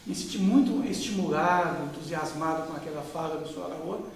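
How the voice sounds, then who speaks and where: A man in his fifties from Brazil, recalling his past in an unhurried oral-history interview with many pauses. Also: a little high, slight background noise. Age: 50s. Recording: echoey room, mic far off.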